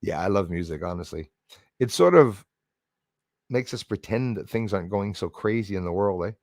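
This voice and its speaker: During a casual livestream chat, a male host says hello to viewers in chat, talking in a rambling, buddy-like way. His deep voice is animated and slightly mellow at a moderate pace, in clean studio quality without echo.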